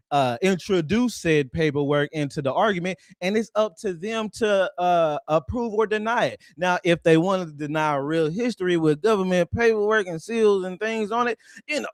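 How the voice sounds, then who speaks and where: A man with a fairly high voice rants casually to his audience, swearing freely and laughing between jabs. The sound is dry and close, with no room echo. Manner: profane, laughing, mocking. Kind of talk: casual ranting commentary.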